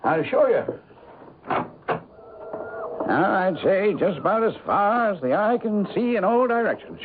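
High-pitched, folksy small-town sheriff. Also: male voice, sing-song. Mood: matter-of-fact. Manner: folksy, unhurried country phrasing. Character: plain-spoken small-town Maine sheriff and real estate agent. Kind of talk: radio drama acting. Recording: tinny, very noisy old radio broadcast.

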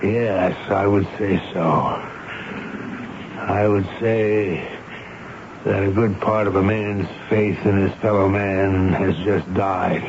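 A man playing a stern, weary army major in 1970s radio drama, speaking and narrating in a measured, grave way. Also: sits low, steady tone. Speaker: actor and first-person narrator in radio drama. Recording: noisy, dull 1970s radio broadcast recording.

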